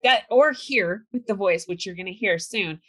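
A chatty, upbeat American woman from California hosts a relaxed interview over a video call. Her voice sits at a middling pitch, and she talks in a loose, conversational way, laughing often. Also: moderate pace. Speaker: podcast host. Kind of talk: casual interview chat.

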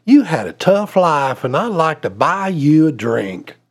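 A man voicing a kindly, sympathetic older man at a bar, gentle and folksy. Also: on the high side, sing-song, a little slow, exaggerated voice.

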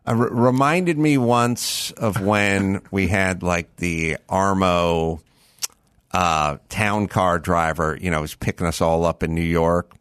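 A man co-hosting a home improvement show, ranting and telling stories in casual chat, animated and profane. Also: low-pitched, takes it slowly, clear, resonant tone.

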